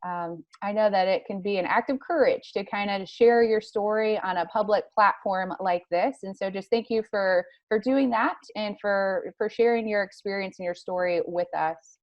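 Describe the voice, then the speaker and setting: Gentle, formal woman interviewer. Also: medium pitch, moderate pace, lo-fi sound. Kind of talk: introducing and interviewing a guest.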